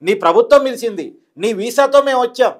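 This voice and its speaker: A man's voice: very high-pitched, animated, brisk. A man giving explanatory political commentary as a guest analyst, emphatic and given to repeating his phrases.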